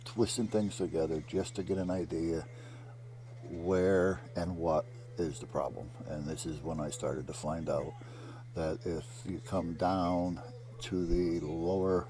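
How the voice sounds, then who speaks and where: A very low-pitched man with a dark, relaxed tone talks casually through a do-it-yourself job. He rambles a little as he explains each step, keeping it plain and matter-of-fact. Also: unhurried. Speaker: hobbyist narrating a repair project. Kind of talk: casual voice-over explaining a DIY wiring repair.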